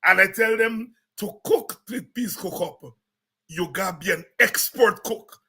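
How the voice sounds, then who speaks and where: A man's voice: high-pitched, unhurried, gravelly, pushed and bright, slightly rough. A Guyanese man hosting a live show, chatting casually, greeting viewers by name and repeating his words as he rambles. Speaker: host.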